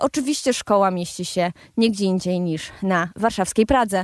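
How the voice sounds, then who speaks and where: In a very clean recording with a silent background and a dry, close sound with no echo, a woman talks at a fairly quick pace, her medium pitch showing ordinary variation. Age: 30s. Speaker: film studies student and radio film reviewer. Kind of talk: radio film review monologue. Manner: casual, hesitant with frequent fillers.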